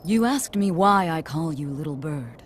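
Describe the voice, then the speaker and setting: An actress playing a proud, commanding warrior woman chief who speaks with measured, fond warmth in a game cutscene. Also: expressive. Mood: tender. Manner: low, measured, regal and fond. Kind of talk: video game cutscene acting. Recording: game soundtrack with faint music.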